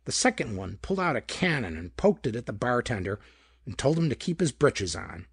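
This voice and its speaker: A man narrates hardboiled crime fiction like an audiobook, his voice rough with fry and husk. His pitch swings expressively as he tells it dramatically. The sound is close and dry. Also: sing-song, fairly quick, no room sound. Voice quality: gravelly, husky. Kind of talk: scripted narration of hardboiled pulp detective fiction.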